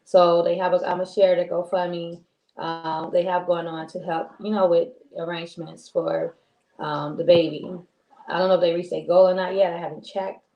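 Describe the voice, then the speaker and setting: A woman co-hosting a casual live-stream talk show, rambling and heartfelt with many pauses. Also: fairly low pitch, flat delivery, lo-fi sound. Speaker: co-host. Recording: echoey room with faint noise.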